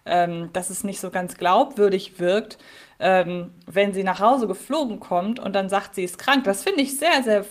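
A woman's voice: mid-range voice, measured pace. A woman co-hosting a podcast in casual chat, chatty and self-deprecating. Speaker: podcast co-host.

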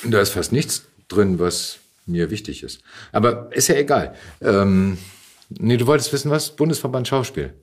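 A middle-aged man with a deep voice speaks as an interview guest. He tells his stories in a casual, conversational style. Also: animated, moderate pace, husky. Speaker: podcast guest, actor and voice actor.

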